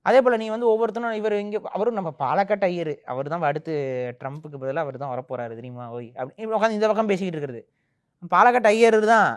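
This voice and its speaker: A man's voice: high-pitched, fast talker. A man giving a heated opinion in an interview, speaking with indignant force that keeps rising into emphatic outbursts.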